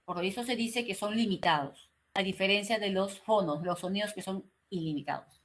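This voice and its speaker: A woman teaching an online class, speaking slowly and articulating each word with care, with frequent checking questions and hesitations. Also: mid-range voice. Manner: slow, carefully articulated explaining; frequent "¿no?" and "eh" fillers.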